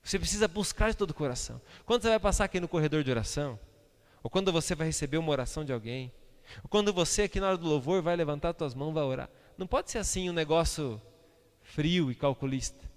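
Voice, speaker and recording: A man, preaching a sermon as pastor, swinging between loud outbursts and hushed asides. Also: on the high side, expressive, fast, smooth. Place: church sanctuary. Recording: reverberant church hall.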